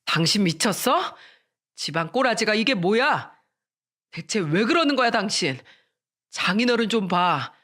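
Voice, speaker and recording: A reader voicing a furious husband who shouts accusations at his wife in a storybook radio drama. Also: high voice, big pitch swings, a little slow, exaggerated voice.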